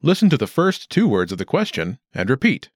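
A man narrating a scripted language lesson as an instructor, enunciating clearly and deliberately. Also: medium pitch, wildly swooping pitch, noisy background.

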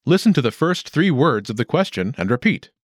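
A man narrating a scripted language lesson as an instructor, enunciating clearly and deliberately. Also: mid-range voice, very animated.

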